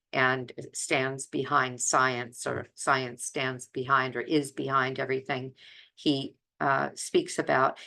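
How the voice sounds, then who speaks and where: An older woman talking informally as a health coach and video host, in a halting, deliberate way with pauses mid-phrase. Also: extremely low pitch, a bit bright. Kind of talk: informal talk to camera.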